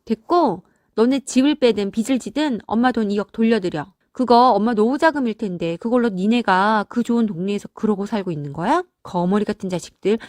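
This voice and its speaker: A woman's voice: mid-range voice, brisk, few pauses, darkish tone, no room sound, clean studio sound, close to an everyday voice. A woman voicing a fierce elder sister in a family story, scolding and threatening in indignation. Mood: indignant. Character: indignant, scolding elder sibling defending mother.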